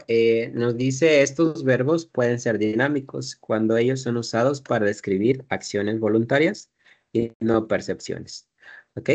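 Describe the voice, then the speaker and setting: A man teaching an English class, explaining patiently step by step and drilling pronunciation. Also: mid-range voice.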